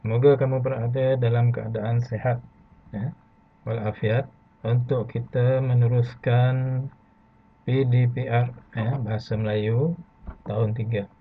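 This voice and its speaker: A Malaysian man teaching an online lesson to primary pupils, patient and slow, adding "ya" after nearly every phrase. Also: medium pitch, flat delivery. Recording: phone-like lo-fi audio.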